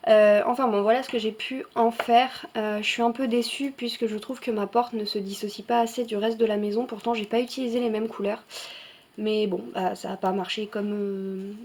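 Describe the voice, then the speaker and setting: This is a coloring channel host, a woman whose voice runs slightly high, casually showing off her completed coloring pages in a relaxed vlog. She rambles a bit as she goes, dropping little fillers and correcting herself quickly.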